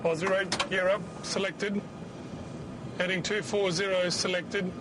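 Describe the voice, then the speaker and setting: A man playing an airline pilot, giving clipped procedural readbacks and callouts in the cockpit. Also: a little slow. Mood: composed, businesslike. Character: composed male airline pilot working in the cockpit. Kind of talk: terse procedural radio readbacks and checklist callouts. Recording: noisy aircraft cockpit, steady engine rumble.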